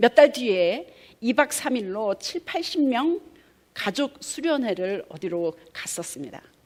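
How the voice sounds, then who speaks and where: Her pitch swings very widely. The woman speaks very slowly in a fairly high voice. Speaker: pastor. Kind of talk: sermon. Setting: church.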